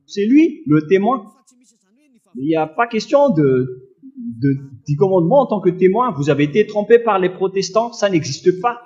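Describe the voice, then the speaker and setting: Male preacher, loud forceful sermon, high voice, very animated intonation, accusatory, scripture reading. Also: normal speed, muffled recording. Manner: accusatory, admonishing.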